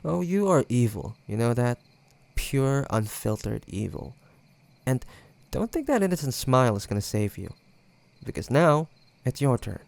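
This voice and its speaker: Casting: male actor as teasing young ex in intimate audio roleplay; swooping intonation, unhurried delivery, casual banter. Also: mid-range voice, sing-song, creaky, darkish tone, dry recording. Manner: teasing, hesitant, casual banter with trailing pauses. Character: playful teasing young man, nostalgic ex-boyfriend in treehouse.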